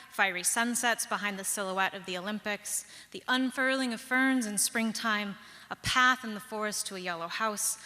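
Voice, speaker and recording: A young woman from the Pacific Northwest telling a personal story on stage, measured and reflective, with lilting pauses. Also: mid-range voice, sharp tone. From Pacific Northwest, USA. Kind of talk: personal story told live. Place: large hall, live stage. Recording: long hall reverb.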